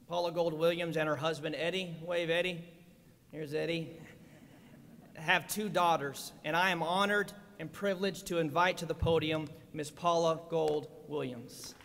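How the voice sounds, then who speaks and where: A man's voice: on the high side, fairly even intonation, moderate pace, creaky, a bit bright, slight background noise. A middle-aged man reading a formal scripted introduction at a podium microphone during a ceremony. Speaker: ceremony presenter introducing the speaker. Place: large indoor arena stage. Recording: echoey large arena, long reverb.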